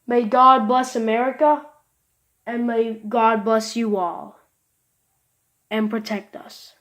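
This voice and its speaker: A woman playing a solemn, prayerful American president addressing a nation under attack, halting and repetitive. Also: fairly high pitch, steady tone, fairly bright tone. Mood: grave, pleading.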